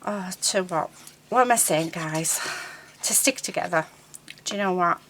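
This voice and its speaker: A woman hosting a casual paper-craft tutorial, croaky from a sore throat, chatty and often hunting for words between ums. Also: on the low side, moderate pace, a bit bright, a little hiss or hum. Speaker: craft channel host. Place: craft table indoors.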